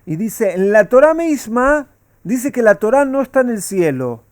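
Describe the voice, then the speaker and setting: A man's voice: very high voice, very animated, unhurried, dry recording. A man, a rabbi, teaching a Talmud class and asking his students rhetorical questions.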